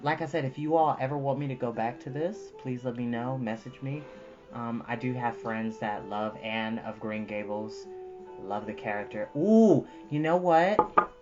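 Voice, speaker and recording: A livestream host of about thirty chatting casually and exclaiming in an animated, talkative way. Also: medium pitch, normal speed, dull audio. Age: 30s. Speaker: livestream host who reads books aloud. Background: prominent jazz music.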